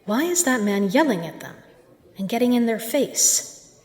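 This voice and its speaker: Female actor as self-assured, exacting bar patron, flirtatious yet protective; formal, measured delivery for scripted audio roleplay. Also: a little high, sing-song, husky, exaggerated voice. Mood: concerned.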